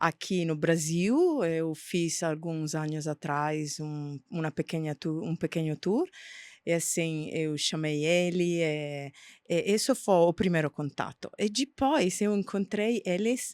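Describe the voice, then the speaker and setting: On a very clean recording with a silent background and a dry, close sound with no echo, a woman speaks very slowly at a fairly low pitch with ordinary pitch variation. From Italy, Rome. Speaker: singer and jazz voice teacher. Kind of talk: interview. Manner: halting.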